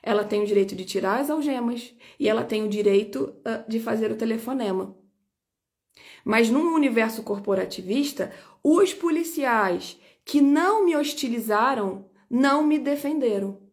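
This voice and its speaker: A woman's voice: a little high, expressive, moderate pace. A woman lawyer speaking straight to her viewers about her own detention. She talks emphatically and indignantly, and repeats her points to drive them home. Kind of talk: personal video statement.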